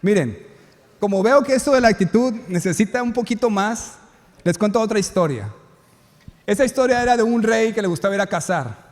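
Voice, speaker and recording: High-voiced male pastor preaching in a hall. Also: lively intonation, a little fast. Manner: storytelling preacher acting out characters' lines. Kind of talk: sermon.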